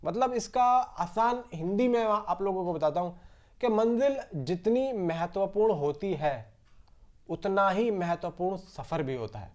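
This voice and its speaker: A man's voice: high voice, lively intonation, unhurried, a little mellow. A man giving casual, rambling film news commentary, chatting directly to his viewers like friends. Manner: conversational, rambling, addresses viewers as bro.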